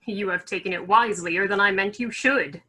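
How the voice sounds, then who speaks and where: Sharp-tongued scheming lord, played by a woman, bright forceful tone, dry sarcasm, Shakespearean radio play. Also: mid-range voice, normal speed, breathy edge. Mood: mocking.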